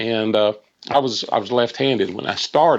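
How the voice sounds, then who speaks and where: With a strong Southern US accent, a man speaks at a medium pitch. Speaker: dobro player. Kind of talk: podcast interview. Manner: repeats and stammers words.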